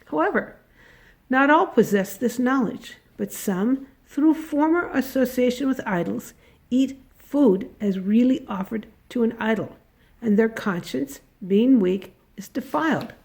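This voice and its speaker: A middle-aged woman reading scripture solemnly, in measured phrases. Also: on the high side, creaky, a little mellow. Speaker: lay scripture reader.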